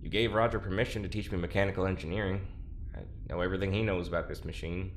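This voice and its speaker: Man acting an awkward, low, gravelly prisoner. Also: fairly even intonation, slight background noise. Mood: wary, wry. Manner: halting, apologetic, understated. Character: awkward, wry, hesitant male prisoner, handy with machines. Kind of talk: naturalistic audio drama acting.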